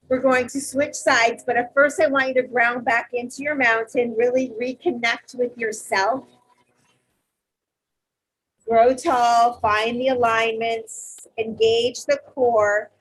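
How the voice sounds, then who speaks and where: A woman teaching a live online yoga class, cueing poses step by step in a loud, encouraging, chatty way over a video call. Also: a little high, slight background noise, rough recording. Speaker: yoga instructor.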